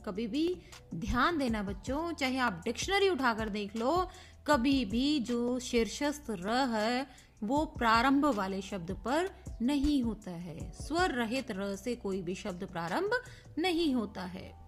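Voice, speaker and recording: A woman's voice: on the high side, expressive, slow pace, faint music behind. A woman teaching a recorded Hindi grammar lesson, playful and speaking to pupils as children, spelling words out letter by letter.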